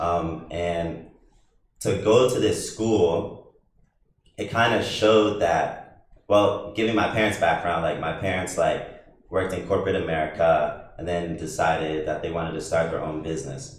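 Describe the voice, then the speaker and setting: A man talks in a very deep, low voice that is somewhat breathy, with ordinary pitch variation. The room echo is audible. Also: moderate pace. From Baltimore, US. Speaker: panel speaker. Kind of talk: panel discussion.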